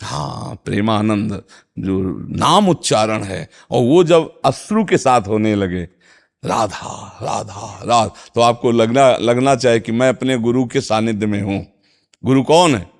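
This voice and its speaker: A man's voice: mid-range voice, lively intonation, unhurried, gravelly, darkish tone. A man giving a devotional discourse as a spiritual teacher, answering followers' questions, chanting verses and then explaining them.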